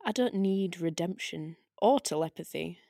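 A woman playing a taunting disembodied spirit in an audio drama table read, with a drawn-out, needling delivery. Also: fairly low pitch, gravelly, warm tone, no echo, clean studio sound. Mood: coolly persuasive. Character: taunting disembodied arcane spirit, silky and provoking.

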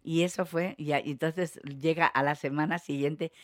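A woman's voice: sits low, normal speed, dry recording, clean studio sound. An older woman, telling anecdotes in a casual chat, often laughing and restarting her sentences. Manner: lively storyteller, laughs often, many restarts. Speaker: guest actress.

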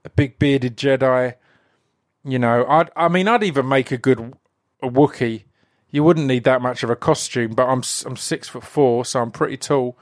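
A man's voice: medium pitch, moderate pace, dry recording, studio quality. A man hosting a podcast, giving a casual, rambling introduction full of restarts and asides. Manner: rambling, chatty, self-interrupting with restarts. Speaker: podcast host.

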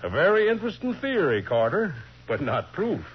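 An actor playing a haughty, dismissive rancher colonel, the villain of a 1940s radio crime drama. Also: male voice, sits high, sing-song, moderate pace, slight background noise. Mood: scornful, indignant. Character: indignant, scornful rancher colonel, a villainous man. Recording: dull 1940s radio recording.

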